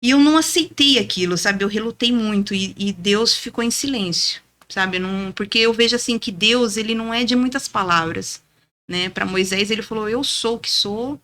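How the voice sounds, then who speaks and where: Woman in her 30s telling her faith story on a podcast, bright clear voice, earnest and animated. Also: mid-range voice, moderate pace. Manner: earnest, lively storytelling with frequent "né?". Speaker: podcast guest. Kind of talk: testimony in casual chat.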